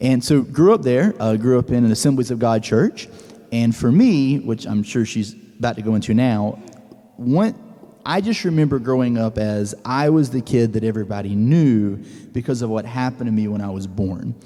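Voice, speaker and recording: With an American accent, a man speaks at a moderate pace and medium pitch. His pitch variation is ordinary, and there's noticeable background noise. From Florida Panhandle. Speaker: church member. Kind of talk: testimony.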